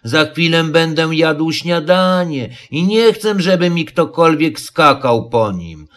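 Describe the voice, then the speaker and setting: A man's voice: a little high, expressive, slow, a bit bright. A man voicing a gloomy, self-pitying old donkey in a storybook reading, mournful and drawn out.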